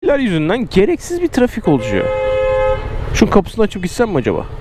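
Higher-voiced man chatting over road noise. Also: wildly swooping pitch, brisk. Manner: slangy, joking running commentary on what passes by. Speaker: motorcycle vlogger. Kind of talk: casual chat to viewers while riding. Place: outdoors on a moving motorcycle in city traffic. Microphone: close helmet microphone. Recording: clear engine, wind and traffic noise. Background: motorbike and city traffic noise.

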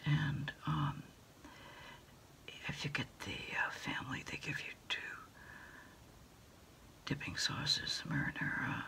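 Woman whispering slowly, gravelly ASMR phone roleplay. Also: low voice, big pitch swings. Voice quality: whispery, breathy, mostly unvoiced. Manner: hesitant, soft-spoken, halting with pauses. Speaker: ASMR roleplayer acting as food delivery order taker. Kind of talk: quiet ASMR roleplay, one-sided phone call. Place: small dim desk corner indoors.

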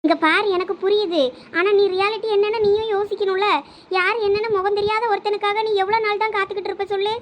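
A woman's voice: very high-pitched, fairly even intonation, quick pace, slight background noise. A woman playing a caring but bossy younger sister who scolds and coaxes, in a village drama skit. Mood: scolding. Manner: scolding, coaxing.

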